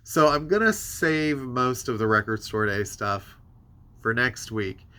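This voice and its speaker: Bright-voiced congested man, casual rambling host. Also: mid-range voice, expressive, a little slow, smooth. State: tired voice giving out. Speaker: host of a music new-release show. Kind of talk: casual rambling product rundown to camera.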